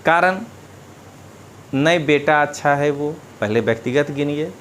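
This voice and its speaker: A man teaching an exam syllabus lecture, explaining in a lively way and checking in with his students. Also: fairly high pitch, unhurried, slight background noise. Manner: animated, explanatory, addresses students directly with rhetorical checks.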